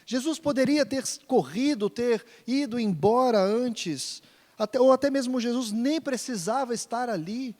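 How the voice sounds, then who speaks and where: Brazilian preacher with emphatic, echoing delivery. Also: male voice, extremely high pitch, unhurried, darkish tone. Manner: emphatic, repeats phrases for stress. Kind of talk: expository sermon. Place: church hall. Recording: long church reverb.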